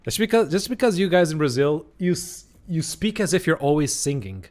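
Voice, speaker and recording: A man's voice: on the high side, expressive, fairly quick, darkish tone. A young Portuguese man with a Portuguese accent, rambling and joking as he streams a game. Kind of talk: let's-play commentary.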